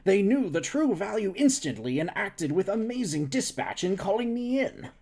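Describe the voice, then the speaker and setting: Male reader doing a high, know-it-all alien scientist; chatty, lecturing. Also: big pitch swings, normal speed, a little mellow, exaggerated voice. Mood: eager lecturing. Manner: rambling, lecturing. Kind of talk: reading a novel aloud on a stream.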